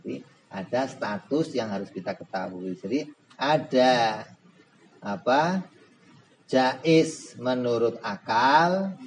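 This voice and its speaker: A slow-paced man leads a religious book study in an unhurried way. He teaches in a relaxed, humorous manner and poses questions to his listeners. His voice sits at a middling pitch, with faint room noise behind it. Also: low-quality recording. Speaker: Islamic boarding school teacher.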